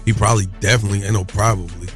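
A man's voice: on the low side, fairly even intonation, rapid-fire, a bit bright, faint music behind. A man hosting a morning radio show in casual, colloquial talk. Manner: colloquial, conversational.

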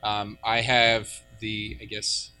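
A man's voice: fairly low pitch, monotone, slow, sharp tone, clean tone, soft background music. A man moderating a fan convention panel, casual and joking. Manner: joking, wry.

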